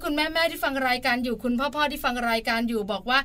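A woman hosts a relaxed podcast with a high, bright voice. She keeps the talk moving with questions and chatty agreement. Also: quick pace. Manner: chatty, affirming, asks questions. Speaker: podcast host. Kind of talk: casual podcast chat.

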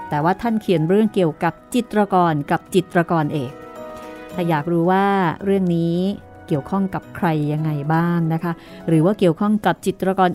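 A woman hosts a chatty show in a fairly low voice. She speaks through a face mask, with faint music behind her. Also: dark tone. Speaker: podcast host. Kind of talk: scripted-sounding but chatty show hosting.

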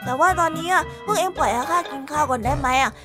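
A grumpy, easily annoyed young cartoon boy, voiced by a woman, gruff and rustic in his speech. His voice sits very high. Children's music plays behind him. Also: very fast, lightly acted. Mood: pleading.

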